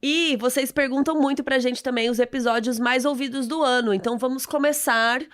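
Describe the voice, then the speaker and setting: High-voiced Brazilian woman co-hosting a podcast. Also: steady tone, a little fast. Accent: Brazilian Portuguese. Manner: informal, slangy. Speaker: podcast co-host. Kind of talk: casual chatty conversation.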